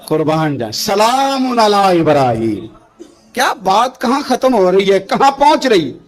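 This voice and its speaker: A man preaching a sermon as a dramatic story, impassioned, rising to shouts and slowly intoning scripture. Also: high-pitched, sing-song, soft background music.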